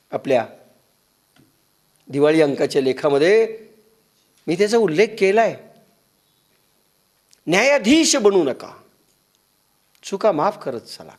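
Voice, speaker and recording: Giving a devotional discourse, a spiritual speaker with a Marathi accent tells stories. He acts out the characters' dialogue using low, muttering voices.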